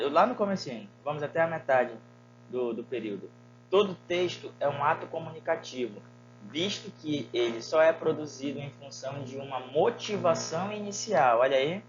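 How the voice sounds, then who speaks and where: Man, Portuguese teacher, didactic, rhetorical questions, muffled recording, soft music underneath. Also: fairly high pitch. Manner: didactic, rhetorical questions to students, frequent fillers. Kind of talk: recorded online lesson.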